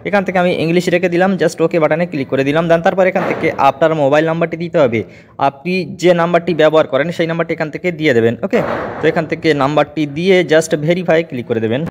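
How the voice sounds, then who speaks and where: Guy doing a phone app walkthrough, talks super fast, kinda high voice, throws in english words. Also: a little hiss or hum. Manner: mixes English words into his Bengali. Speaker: tech tutorial host. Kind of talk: scripted step-by-step app tutorial narration.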